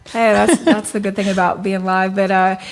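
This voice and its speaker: A young adult woman singer, a guest chatting casually in a music studio, soft-spoken and hesitant with lots of fillers. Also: medium pitch, flat delivery, moderate pace. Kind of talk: casual interview chat.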